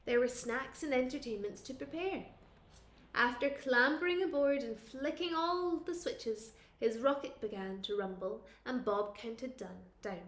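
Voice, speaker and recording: A woman, a primary school teacher, reading a picture book to young children expressively, with dramatic pauses and questions to her listeners. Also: high-pitched, reverberant.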